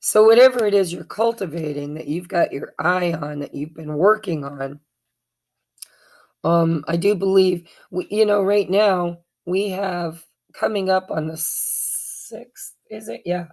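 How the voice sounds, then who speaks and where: Hoarse woman doing a tarot reading, slow and rambly, low gravelly voice, lots of ums. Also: darkish tone. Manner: chatty and meandering, many fillers and self-corrections. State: hoarse from allergies. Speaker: tarot reader. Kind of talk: casual tarot card reading.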